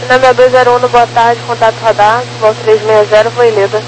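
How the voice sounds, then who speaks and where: Fast-talking woman controller over walkie-talkie radio. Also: on the high side, flat delivery. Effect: voice over walkie-talkie style radio. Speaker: air traffic controller. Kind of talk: clipped air traffic control instructions. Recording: noisy radio with hum.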